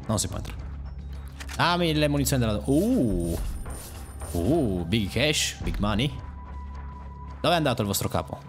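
A young man talks through a game as a let's play host, cursing and mocking the enemies on screen. His voice swings widely in pitch, jumping to high yelps when something surprises him. Game music plays clearly underneath. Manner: excitable, swears and mocks enemies, jumps to high yelps. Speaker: gaming YouTuber.

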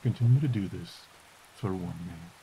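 A man softly and slowly guiding a meditation as podcast host, in a soothing delivery. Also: low-pitched, rough recording. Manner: soft, slow, soothing delivery. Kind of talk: guided meditation. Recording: hiss and rain noise. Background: rain.

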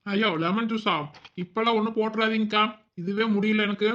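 A man's voice: high-pitched, monotone, fairly quick, fairly bright tone. A man doing a chatty young village woman. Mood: groaning. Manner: chatty, complaining, homely. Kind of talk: cartoon voice acting. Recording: dull lo-fi recording.

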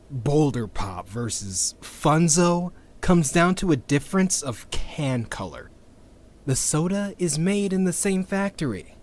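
Give the sound of a weary, sardonic activist in a sci-fi audio drama. His voice sits fairly high and swings widely in pitch. He speaks very slowly and haltingly, bitter about a doomed world. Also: a little mellow. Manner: sardonic, halting, with sighs and wry laughs. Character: bitter, disillusioned male activist, weary and sweary. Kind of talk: sci-fi audio drama monologue, confessional recording.

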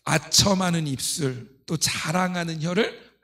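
A man's voice: on the high side, measured pace, fairly bright tone. A middle-aged man preaching as a pastor, explaining scripture to his congregation in a teaching manner. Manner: didactic, asking rhetorical questions and leading readings. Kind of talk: sermon, expounding scripture to a congregation. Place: church pulpit, indoors.

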